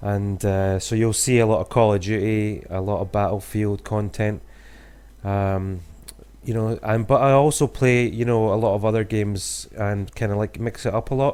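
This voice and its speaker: Fairly low in pitch, a man's dark, mellow tone moves at a moderate pace with fairly even intonation. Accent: Scottish. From Scotland. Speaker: gaming YouTuber. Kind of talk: gameplay commentary. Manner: hesitant, many fillers.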